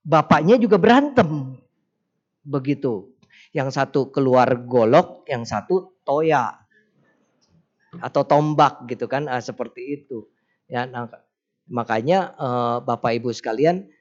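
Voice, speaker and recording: A man's voice: a little high, highs cut off. Chatty middle-aged man giving a folksy sermon. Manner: chatty, folksy, acts out dialogue in quick snippets. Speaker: Buddhist teacher giving a Sunday talk. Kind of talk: casual sermon with anecdotes.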